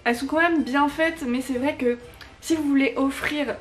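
Young woman rambling happily about gifts, kinda high voice, faint music under it. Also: normal speed. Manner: chatty, frequent hesitations, enthusiastic about small items. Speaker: YouTuber reviewing gifts. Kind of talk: casual product review vlog. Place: home room full of fairy lights.

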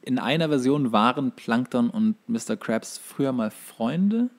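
A man's voice: mid-range voice, expressive, a little slow. A man chatting casually as a podcast co-host, explaining things in a hesitant, searching way.

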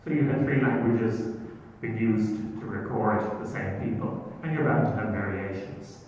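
An Irish man with a fairly low voice gives a relaxed, rambling lecture on history to a gathering. The sound is distant and muffled, and a long echo hangs in the hotel function room. Faint room noise sits underneath. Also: measured pace. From Ireland. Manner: relaxed, digressive storytelling. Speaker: genealogy lecturer. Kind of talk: public lecture with slides. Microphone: laptop screen recording, far from speaker. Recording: echoey distant hall audio.

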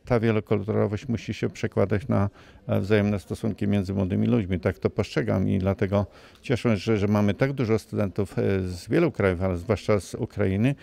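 A man in his sixties answering an interviewer's handheld microphone indoors, speaking in a measured way with frequent hesitations. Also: lowish voice, steady tone, vocal fry, mellow. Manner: measured, with many hesitation sounds. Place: indoor hall. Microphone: handheld interview mic.

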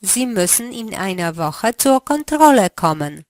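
Slow, clear teaching woman. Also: mid-range voice, very animated, darkish tone, no room sound, studio quality. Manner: slow, carefully articulated prompting. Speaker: language teacher. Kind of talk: language lesson drills.

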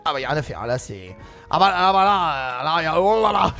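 A man giving excitable gaming commentary, exclaiming, laughing and shouting as he plays. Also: fairly high pitch, fairly quick, creaky, soft background music. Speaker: gaming YouTuber.

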